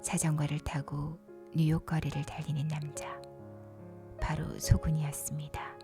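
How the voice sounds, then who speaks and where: A woman whispers a bedtime story softly and breathily, leaning into a gentle, unhurried narration with short pauses between phrases. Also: low voice, level tone. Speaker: narrator retelling a film story for sleep. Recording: soft music behind the whispering. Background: music.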